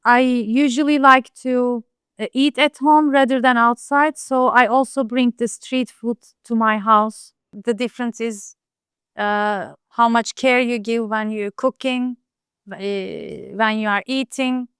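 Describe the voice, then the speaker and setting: A woman, a home cook talking casually in an interview, soft-spoken and hesitant with many fillers. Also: on the high side, steady tone, unhurried, clear, resonant tone, dry recording, studio quality. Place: home in Istanbul.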